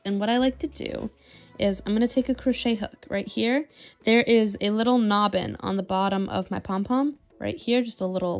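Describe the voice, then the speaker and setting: A young woman with a hoarse, croupy voice from illness, chatting casually and a bit self-deprecatingly while she demonstrates a knitting project step by step. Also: medium pitch. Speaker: knitting tutorial host. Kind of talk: casual step-by-step craft demo.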